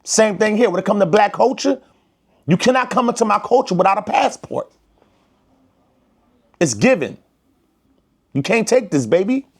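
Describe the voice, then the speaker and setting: A fairly high-pitched man with an African American Vernacular accent talks straight to the camera in an emphatic, preaching way. He is from the United States and leans heavily on slang. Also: expressive, moderate pace, long pauses, breathy edge. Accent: African American Vernacular English. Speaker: vlogger. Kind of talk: direct-to-camera commentary.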